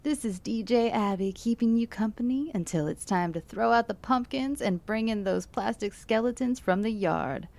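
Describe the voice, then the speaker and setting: A woman's voice: fairly high pitch, moderate pace, vocal fry, hardly any pauses, a little mellow. An actress playing a friendly late-night radio DJ who talks in a chatty, intimate way to her listeners. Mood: warm.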